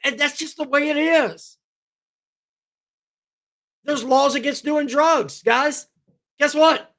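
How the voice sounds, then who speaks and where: A man hosting a political commentary livestream, blunt and combative, talking straight to his chat with a voice going hoarse. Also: very high voice, sharp tone. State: losing his voice, clears throat. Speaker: livestream host.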